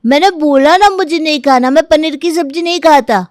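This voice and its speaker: A woman's voice: sits high, moderate pace, darkish tone, no room sound, studio quality, natural voice. A woman voicing a stubborn, whiny six-year-old boy who is a fussy eater, in a storybook tale. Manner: whiny and insistent. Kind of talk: storybook character acting.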